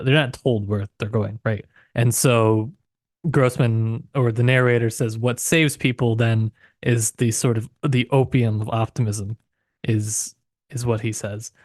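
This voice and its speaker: A low-pitched man talks through a book as a podcast co-host. He is reflective and halting, feeling his way to each phrase, in a dry, close-sounding space. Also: no room sound. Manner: reflective, halting, searching for words. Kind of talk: unscripted literary discussion.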